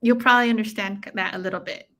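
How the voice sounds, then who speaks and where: A woman's voice: mid-range voice, steady tone, rapid-fire, a bit bright. An American woman hosting a live watch-along, chatting casually with viewers in an informal, effusive, slangy way. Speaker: livestream watch-along host. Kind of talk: casual live chat with viewers and fight commentary.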